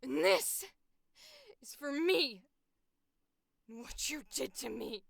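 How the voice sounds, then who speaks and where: A woman's voice: sits high, animated, takes it slowly, creaky, bright, forceful tone, no room sound, exaggerated voice. A woman voicing a furious, grief-stricken female avenger with a strained, full-throated, desperate delivery, as in a dramatic audition. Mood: desperate rage. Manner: desperate, tearful rage. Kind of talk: dramatic audition-style character acting.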